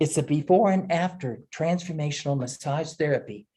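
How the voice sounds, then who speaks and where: A man talks at a moderate pace. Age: 60s. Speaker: massage therapist. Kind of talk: presentation; casual chat. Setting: community networking meeting.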